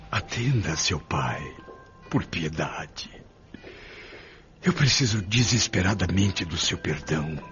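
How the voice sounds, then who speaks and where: A male actor plays a grieving Brazilian father begging forgiveness in a radio drama. His trembling voice is low and gravelly. He speaks very slowly and solemnly, with music underneath a dull recording. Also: a bit bright, full character voice. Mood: anguished pleading. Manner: halting, pleading, solemn. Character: remorseful father pleading at dying daughter's bedside. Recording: dull lo-fi audio over music.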